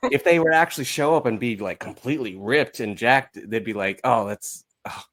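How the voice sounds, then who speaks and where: An American man in his thirties speaks as a podcast guest in a casual, informal way, often acting out his examples. His voice is medium-pitched and a bit bright, and he talks fairly quickly.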